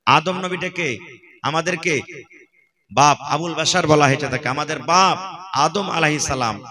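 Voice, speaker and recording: Forceful Bihari Bengali preacher. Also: male voice, on the high side, a little slow. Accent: Purnia, Bihar regional Bengali. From Purnia, Bihar. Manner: fires rhetorical questions at the crowd. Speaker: Islamic preacher. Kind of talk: sermon at a religious gathering.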